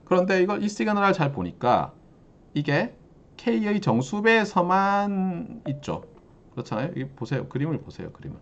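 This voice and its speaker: A man's voice: on the high side, dull audio. A man, a university professor, giving a classroom lecture and often putting rhetorical questions to the class. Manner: lively, asks the class frequent rhetorical questions.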